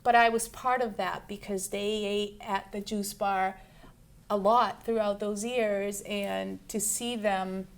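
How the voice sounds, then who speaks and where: A woman's voice: medium pitch, fairly even intonation, takes it slowly. A woman in her forties from Brazil, a juice bar owner, answering interview questions in a chatty way, full of ums and restarts. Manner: chatty, lists things with many ums and restarts.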